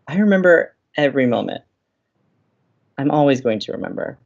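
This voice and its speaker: Muffled, lively, romantic young college radio host played by a woman. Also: a bass voice, fairly quick, gravelly, heavily acted. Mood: elated, romantic. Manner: effusive, earnest. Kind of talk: audio drama romantic comedy dialogue.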